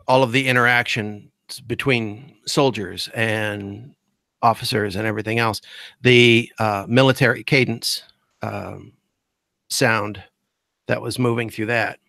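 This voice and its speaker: A man talks slowly on a podcast, pausing often and hunting for the right words. His voice sits at an ordinary middle pitch. The sound is close and dry. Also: steady tone, gravelly, pushed and bright, no room sound. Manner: halting, searching for words with many fillers. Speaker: guest host. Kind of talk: casual podcast discussion.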